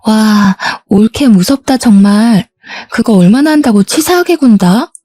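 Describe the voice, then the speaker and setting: A woman voicing a rude, petty sister-in-law in a story, speaking in a scornful, snappish way, a little higher than her own voice. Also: expressive, unhurried, warm tone, dry recording, clean studio sound.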